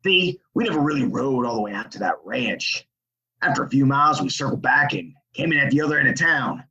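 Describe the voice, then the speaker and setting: Ruthless Old West outlaw colonel played by a man, forceful. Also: medium pitch, animated, brisk, muffled recording. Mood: cold menace. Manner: folksy frontier drawl phrasing, threatening. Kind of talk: Western audio drama acting.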